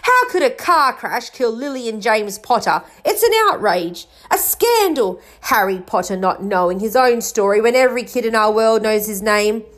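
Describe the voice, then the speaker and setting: A woman plays a big, gruff man from a children's storybook. He is kind-hearted and quick to feel things deeply. His speech is folksy and rambling, with dropped consonants. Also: fairly even intonation, lightly acted. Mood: outraged.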